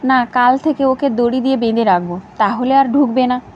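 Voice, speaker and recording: A woman voicing a teasing, quick-tongued young wife, in a slightly dull recording with faint hiss. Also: fairly high pitch, natural voice. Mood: pert. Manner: pert, lively retorts.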